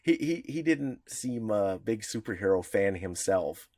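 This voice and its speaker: A man's voice: on the low side, lively intonation, unhurried, darkish tone. A man co-hosting a podcast, talking casually in rambling, restarting sentences. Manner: rambling, lots of likes and restarts, laughs often. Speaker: podcast co-host. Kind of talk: casual chat.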